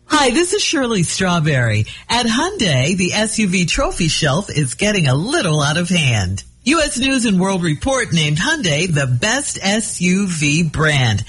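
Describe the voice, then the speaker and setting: A woman co-hosting a radio show, handing off to a break and reading an ad in a smooth, polished announcer delivery. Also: on the low side, sing-song, a little slow, few pauses, fairly bright tone. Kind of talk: smooth radio host segue and ad read.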